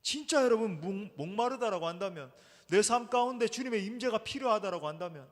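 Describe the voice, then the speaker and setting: A male pastor preaches with a high, lively voice that swings up and down for emphasis. He keeps calling out to the congregation. His voice carries a long reverb through a church sanctuary. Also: fairly quick. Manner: emphatic, addresses the congregation often. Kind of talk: sermon.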